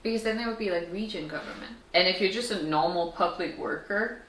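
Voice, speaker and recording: A woman's voice: fairly low pitch, brisk, fairly bright tone, a little hiss or hum. A young woman from Finland chatting casually, reacting bluntly and sarcastically to an article. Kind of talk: casual chat. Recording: echoey room, mic at a distance.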